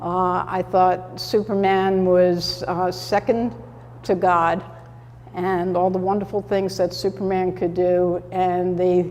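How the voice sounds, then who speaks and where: With an American accent, the speaker talks very slowly with fairly even intonation, amid audible room echo and noticeable background noise. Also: woman. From Brooklyn, New York (East Flatbush). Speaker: author. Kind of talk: talk show interview. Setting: stage with live audience.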